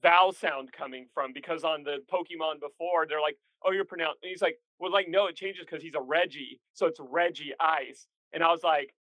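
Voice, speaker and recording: A man's voice: on the high side, fairly even intonation, brisk, hardly any pauses, no echo, dull audio. A man co-hosting a podcast in casual chat, self-deprecating and rambling, often repeating words. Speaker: podcast co-host.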